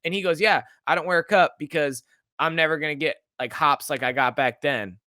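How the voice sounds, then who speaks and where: A man's voice: on the high side, fairly quick, no room sound, studio quality. A young man co-hosting a podcast, telling crude, joking sports stories in casual chat. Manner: animated storyteller, crude and joking. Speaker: podcast co-host.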